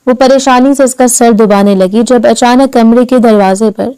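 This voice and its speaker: Brief: female audiobook narrator, soft measured delivery, mellow tone, slightly high. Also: steady tone, clean tone, low-quality recording.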